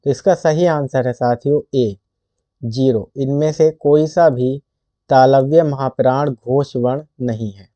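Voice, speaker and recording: A man tutoring for a Hindi exam who reads quiz questions and options slowly, then states the answer, recorded close up in a dry room with dull lo-fi sound. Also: mid-range voice, fairly even intonation, dark tone, dry recording.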